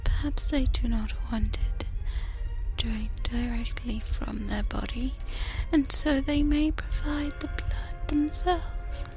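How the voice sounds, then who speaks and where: A woman playing a composed, caring female vampire in a soft-spoken ASMR roleplay, speaking formally and soothingly into a close binaural microphone. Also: high-pitched, fairly even intonation, poor audio. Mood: explanatory, composed. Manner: whispered, formal, measured, soothing. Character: composed, courteous, caring female vampire twin, the sensible one. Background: music.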